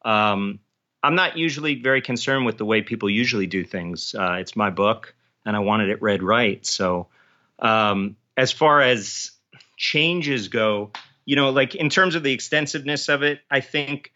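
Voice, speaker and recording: A man's voice: medium pitch, measured pace, sharp tone, lo-fi sound. A man talking casually as an interview guest, frank and assertive in how he puts things. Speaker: author and podcast guest.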